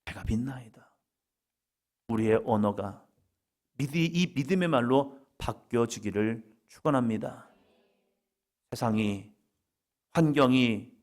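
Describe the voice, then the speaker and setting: A middle-aged man preaches at a church service, his voice sitting in an ordinary middle register. He moves between loud, emphatic declarations and hushed, whispered lines. He acts out the prayers and words of others as he goes. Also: medium pitch. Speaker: pastor. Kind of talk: sermon.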